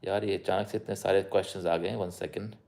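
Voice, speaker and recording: A man with a South Asian accent speaks in a low, gravelly register at a quick clip. He chats casually like a doctor taking live questions, slipping between English and Urdu-Hindi within a sentence. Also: fairly even intonation, darkish tone. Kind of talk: casual live-stream chat.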